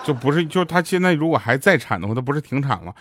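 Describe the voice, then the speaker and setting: A man's voice: mid-range voice, animated, fast talker, no room sound, studio quality. Chatty Northeastern Mandarin man telling jokes. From Northeast China. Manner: chatty, laughs at his own jokes, gets loud at punchlines. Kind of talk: casual comic storytelling.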